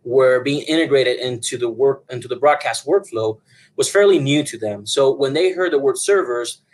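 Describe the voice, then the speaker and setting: A man's voice: mid-range voice, normal speed, rough recording. A man from Puerto Rico in his thirties, a broadcast engineer talking as an interview guest, rambling with many fillers and restarts. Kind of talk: conversational interview.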